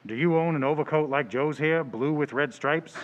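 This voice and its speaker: A man's voice: a little high, normal speed, dull audio, close to an everyday voice. A man playing a no-nonsense, authoritative police detective sergeant in an old-time radio drama. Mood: stern, businesslike. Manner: curt, authoritative, slangy.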